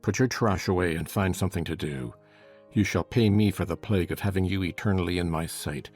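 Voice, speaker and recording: Guy doing a snarling mean landlord, low gravelly-sounding, faint music behind. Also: brisk, a little mellow. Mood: contemptuous. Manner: scornful, snarling. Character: harsh, brutal middle-aged master of a house.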